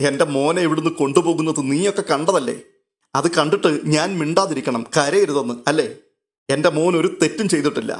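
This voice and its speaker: A man's voice: fairly high pitch, fairly quick, natural voice. A man voicing a tearful middle-aged mother who pleads that her son is innocent. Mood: distraught. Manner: pleading, distraught.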